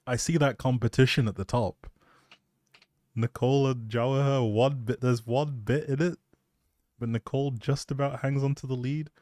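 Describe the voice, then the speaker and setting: A man's voice: medium pitch, fairly even intonation, moderate pace, a little mellow, no room sound, clean studio sound. A man live streaming, chatting casually in an appreciative, rambling way and thinking aloud as he goes.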